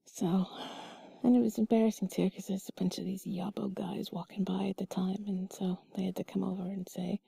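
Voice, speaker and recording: A woman telling a personal story in an intimate, cuddly, breathy whisper, soft, rambling and confiding, as if to one listener. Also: medium pitch, little pitch movement, a little fast, dry recording. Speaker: intimate audio creator.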